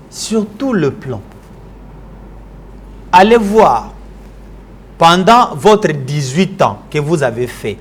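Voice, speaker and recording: A man from Kinshasa with a Congolese French accent, delivering a combative political tirade on a TV show and switching into Lingala. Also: on the high side. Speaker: political commentator.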